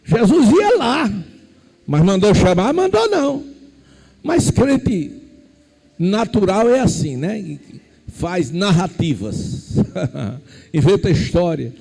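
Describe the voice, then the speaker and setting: A male pastor, preaching a sermon as lively storytelling that drops to quiet asides and rises to shouted emphasis. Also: high voice, takes it slowly, gravelly, pauses often, husky, rough recording. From Brazil.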